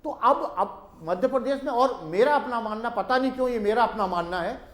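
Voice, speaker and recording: A man speaking as a journalist on a TV panel, giving calm political analysis. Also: extremely high pitch, echoey room. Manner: measured, addresses the host by name often.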